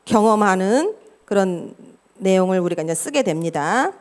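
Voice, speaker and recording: A woman's voice: mid-range voice, expressive, normal speed. A middle-aged woman pastor giving a sermon, laughing often and acting out quoted dialogue.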